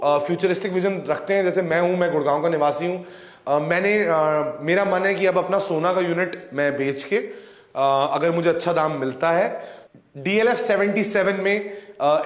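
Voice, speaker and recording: Man in his thirties, Indian accent, property agent, confident and joking, voice a little high, roomy echo. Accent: Indian English. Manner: jokey, mixes Hindi and English, confident sales pitch. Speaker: real estate agent. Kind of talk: casual video talk.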